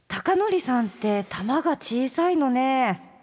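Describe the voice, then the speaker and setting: A woman's voice: very high voice, sing-song, fairly quick, pitched above the performer's own voice. A woman voicing a coy, teasing young woman in a playful, mock-bashful manner.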